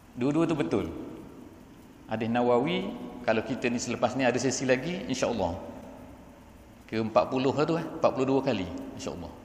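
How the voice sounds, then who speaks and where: A man speaks at a very fast pace with lively intonation and medium pitch, broken by long, frequent pauses, and there's audible room echo. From Terengganu, Malaysia. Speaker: religious teacher. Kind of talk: religious lecture. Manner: conversational, with filler hesitations.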